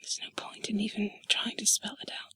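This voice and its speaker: A woman doing an intimate whispered role-play in a soft, breathy, sultry and soothing voice, speaking slowly and deliberately, close to the mic. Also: no room sound. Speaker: intimate audio narrator. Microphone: close mic, dry.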